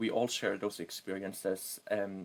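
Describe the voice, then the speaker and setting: A man talks with an Arabic accent. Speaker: community program host. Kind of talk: live-streamed interview. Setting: video livestream.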